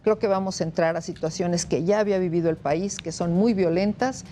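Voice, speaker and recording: A woman guest on a political panel speaks in a grave, earnest way. Her voice is fairly low and mellow. Faint music plays underneath. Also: a little fast.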